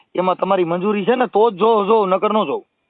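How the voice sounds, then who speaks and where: A man with a high pitch talks with fairly even intonation. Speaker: prank caller exposing fake occult practitioners. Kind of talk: phone prank call. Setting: phone call.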